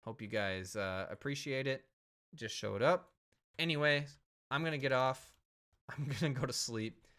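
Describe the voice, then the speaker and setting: A man's voice: medium pitch, moderate pace, fairly bright tone, clear, resonant tone. A man in his thirties, a streamer wrapping up a live stream in rambling casual chat, a little tipsy and slurring his words. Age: 30s. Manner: rambling, self-repeating, chatty.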